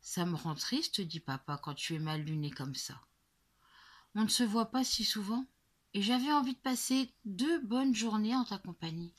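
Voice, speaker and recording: Une femme qui joue un papa doux et patient. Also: female voice, mid-range voice, lively intonation, normal speed, lightly acted. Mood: tender. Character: gentle, patient father.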